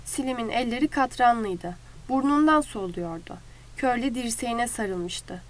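Woman, audiobook narrator, higher voice, dramatic storytelling. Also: measured pace.

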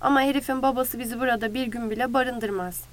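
A woman's voice: fairly high pitch, fairly even intonation, fast, close to an everyday voice. Woman playing an urgent, protective working man. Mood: worried. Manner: urgent, shouting encouragement. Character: protective male friend, worried worker.

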